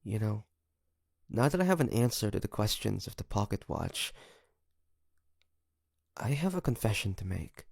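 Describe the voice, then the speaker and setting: A man playing an earnest, tender young demon hunter in love, speaking softly and haltingly in an intimate romantic audio drama. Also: fairly low pitch, big pitch swings, creaky, no echo, clean studio sound, heavily acted. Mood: shy, earnest. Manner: hesitant, halting, soft-spoken with sighs.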